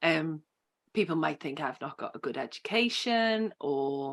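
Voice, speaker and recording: With a Liverpool accent, a woman speaks at a moderate pace and with very wide pitch swings. The background is quiet, and the sound is dry and close, with no echo. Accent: regional Liverpool (Scouse). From Liverpool, England. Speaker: ethical social engineer, security tester. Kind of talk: podcast interview. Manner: animated, conversational with fillers.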